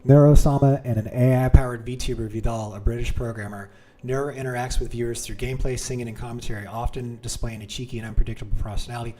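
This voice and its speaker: Mellow-voiced man streaming from home. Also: mid-range voice, steady tone, fast, few pauses. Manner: reads aloud with amused reactions. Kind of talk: casual streaming commentary.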